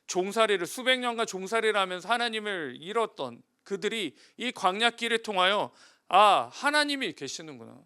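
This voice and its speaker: A male pastor giving a sermon, asking the congregation rhetorical questions and moving between emphatic, louder passages and quiet, hushed ones. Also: high voice, fairly quick, few pauses, smooth.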